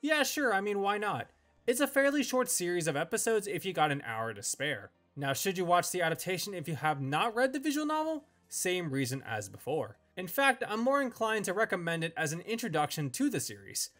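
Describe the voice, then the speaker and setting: A young man hosts a scripted review in a voice that sits a little high for a male. His intonation moves up and down a great deal from phrase to phrase. Light music plays behind the narration. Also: sing-song, fairly quick, a bit bright. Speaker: video reviewer and host.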